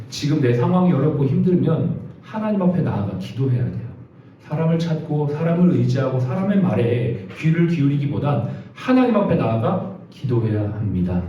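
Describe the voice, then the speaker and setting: A man's voice: mid-range voice, dark tone. A man preaching a sermon in a hospital chapel, earnest and storytelling, acting out the voices of people he quotes. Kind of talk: sermon with personal testimony. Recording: very echoey, distant, dull, faint noise.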